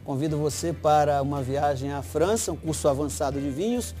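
A man's voice: fairly high pitch, fairly quick, warm tone, faint music behind. A middle-aged man explaining wines as a guest sommelier on a TV studio set, emphatic and salesy, on a lapel mic. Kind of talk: TV wine talk and promotion.

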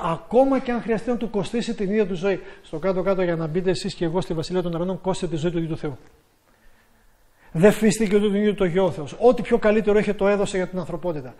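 High-voiced, fiery preacher. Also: male voice. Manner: emphatic, rising to loud exclamations. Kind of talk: sermon.

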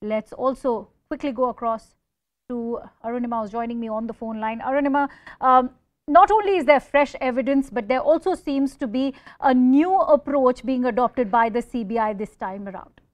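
A woman's voice: on the high side, moderate pace, no echo. A woman with an Indian accent presenting live breaking news as a television anchor.

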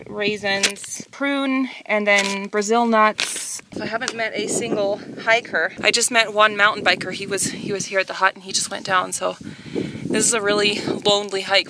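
A young woman, out of breath, chatting candidly to the camera while hiking a mountain trail, on a lapel mic outdoors. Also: mid-range voice. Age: young adult. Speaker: vlogger. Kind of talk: casual hiking vlog.

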